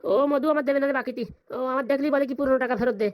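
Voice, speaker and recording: A woman acting a fast-talking, wheedling Bengali village lackey. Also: high voice, fairly even intonation, no room sound, clean studio sound, natural voice. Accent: rural Bengali. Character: wheedling, flattering village lackey, comic and shifty. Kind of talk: comic cartoon voice acting, colloquial dialect.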